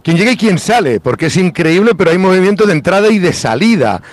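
A field reporter talks in a rapid stream. His voice sits a touch high, and he sounds pressed to get it all out. The sound is dry and close. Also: very animated, no echo. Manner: urgent, fast running commentary. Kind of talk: live on-location sports news report.

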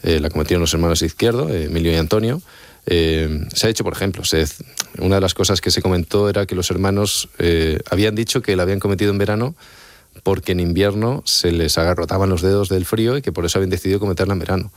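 In a clean studio recording with no echo, a deep-voiced author from Extremadura, Spain, gives radio-style interview answers at a quick pace. He lays out his research with earnest care, frequently checking that his listener is following.

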